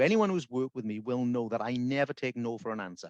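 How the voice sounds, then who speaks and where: A Welsh accent at a fairly quick pace with lively intonation, in a dry, close sound with no echo and a quiet background. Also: man. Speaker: salon business coach. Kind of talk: podcast interview. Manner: animated.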